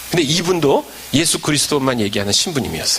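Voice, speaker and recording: A man's pitch swings very widely as he talks, with noticeable background noise around him. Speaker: missionary preacher. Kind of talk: sermon.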